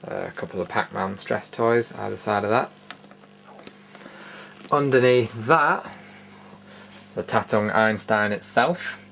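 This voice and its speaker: A British man with a lowish voice and a good deal of creak talks through a show-and-tell tour in a casual, unscripted way. He is matter-of-fact with dry opinions. There is clear noise behind him in the recording. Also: slow pace, long pauses, a bit bright. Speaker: video host giving a tour. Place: indoor room studio. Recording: noticeable background noise.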